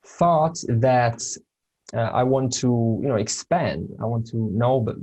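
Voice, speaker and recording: Brief: male teacher from serbia, native serbo-croatian speaker, dark mellow tone, halting talk full of fillers. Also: medium pitch, slightly rough, poor audio. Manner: hesitant, many fillers and restarts. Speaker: spiritual teacher. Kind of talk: informal lesson talk.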